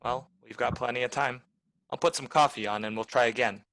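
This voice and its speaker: A man's voice: medium pitch, steady tone, a little fast, a bit bright, no room sound, close to an everyday voice. An actor playing a cynical, wisecracking private detective in a 1940s noir radio play, talking in clipped, sardonic tough-guy lines. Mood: wry, skeptical.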